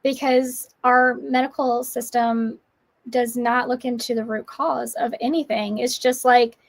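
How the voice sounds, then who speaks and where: A woman's voice: fairly high pitch, steady tone, a little slow. Emphatic, opinionated woman guest. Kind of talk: casual live-stream chat. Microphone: video call.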